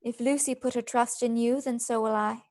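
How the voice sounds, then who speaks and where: An actress playing a gentle, loyal and composed young wife in a theatrical radio play. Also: female voice, a little high, steady tone, normal speed, natural voice. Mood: sad, resolute. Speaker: actor in a live radio play. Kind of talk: theatrical radio drama acting.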